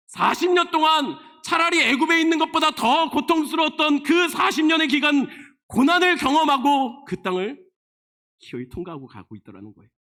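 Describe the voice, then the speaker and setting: A senior pastor preaches emphatically, piling up rhetorical questions. Again and again he suddenly drops into a low, quiet voice.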